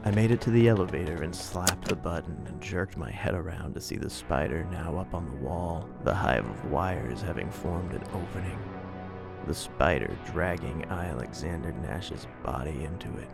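A man playing a grim hardboiled investigator, narrating an audio drama in a deliberate, dramatic way. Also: low voice, animated, creaky. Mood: grim, suspenseful. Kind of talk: scripted noir-style narration in audio drama. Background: music.

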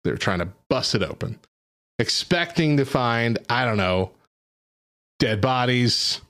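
A man's voice: medium pitch, animated, a little slow, fairly bright tone. A man co-hosting a podcast, chatting casually and telling rambling stories full of fillers. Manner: rambling, laid-back storytelling with frequent fillers. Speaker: podcast co-host. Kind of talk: casual chat.

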